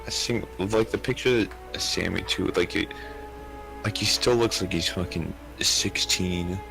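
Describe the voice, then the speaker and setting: Slow, gravelly deep-voiced young man. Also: over music. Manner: slow, gravelly, teasing with lots of swearing. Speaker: guest artist on a call. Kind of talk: casual chat.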